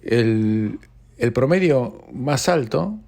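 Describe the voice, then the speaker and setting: A man's voice: medium pitch, expressive, very slow, creaky, darkish tone. A man hosting a radio news program, speaking earnestly and reflectively and addressing the listener directly.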